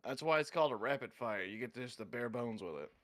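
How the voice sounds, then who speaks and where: A man's voice: medium pitch, lively intonation, fast, a bit bright. A man co-hosting a live stream, tossing out blunt jokes and laughing at the others. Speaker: co-host. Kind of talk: casual live stream banter.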